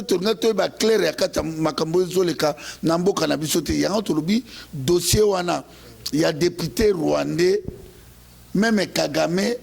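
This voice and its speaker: Raspy, high-pitched Congolese man. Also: darkish tone. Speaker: political commentator. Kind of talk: impassioned political speech.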